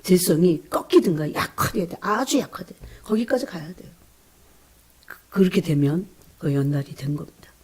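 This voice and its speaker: A woman preaching a fervent, emotional sermon, often calling out to her congregation and dropping into hushed whispers between bursts of emphasis. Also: fairly low pitch, lively intonation, moderate pace, breathy edge.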